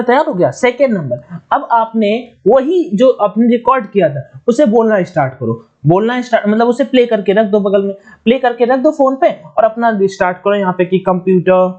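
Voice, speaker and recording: A young man teaching an online exam-prep lesson in a casual, chatty way, explaining step by step and dictating words slowly. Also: high voice, darkish tone. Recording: dull lo-fi audio.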